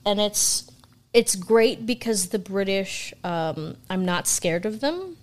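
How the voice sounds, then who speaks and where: A woman's voice: medium pitch, expressive, slow pace. A young woman co-hosting a podcast in casual, irreverent chat, rambling with lots of fillers. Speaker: podcast co-host.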